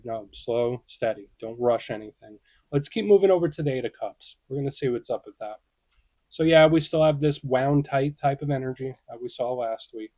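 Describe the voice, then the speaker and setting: Young male tarot reader, casual and reassuring, thinks out loud, dry untreated room. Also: mid-range voice, no room sound. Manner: chatty and reassuring, thinks aloud with acted-out inner questions. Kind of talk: casual tarot reading to camera.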